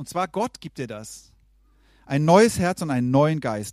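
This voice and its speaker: A warm-toned voice with very wide swings in pitch. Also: man. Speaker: preacher. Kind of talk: sermon. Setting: church. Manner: warm, conversational; reflective, storytelling.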